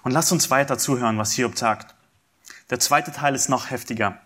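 A man's voice: mid-range voice, moderate pace, pushed and bright. Man, preacher; earnest expository sermon, addresses the congregation directly, leans on key words. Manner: earnest, explains verse by verse, speaks to the congregation directly.

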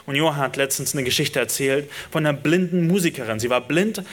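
A man's voice: fairly high pitch, a little fast, a bit bright. A man preaching a sermon, speaking earnestly and directly to his listeners and building emphasis through repeated phrases.

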